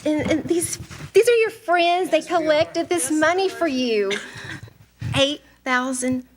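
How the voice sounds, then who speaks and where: A woman's voice: high voice, slow pace. A woman playing a loving, eager young wife and mother, affectionate and urgent, in a staged radio drama. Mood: excited, tender. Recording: live stage, faint noise, clicks.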